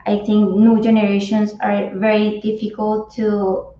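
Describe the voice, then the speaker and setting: A woman's voice: medium pitch, completely flat delivery, measured pace. A woman from Colombia, an HR guest answering interview questions earnestly, often restarting and repeating words. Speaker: cannabis company HR guest. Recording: echoey, dull remote audio.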